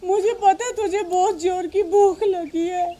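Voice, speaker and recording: A woman acts out a poor, long-suffering mother in a melodramatic family drama. Her voice is extremely high. She speaks in a pleading lament, full of despair. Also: measured pace. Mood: tearful, despairing. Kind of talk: melodramatic Hindi drama acting.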